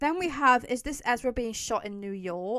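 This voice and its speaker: A woman with an English accent, high-pitched and animated, at a fairly slow pace with ordinary pitch variation. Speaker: YouTuber. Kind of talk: casual chat.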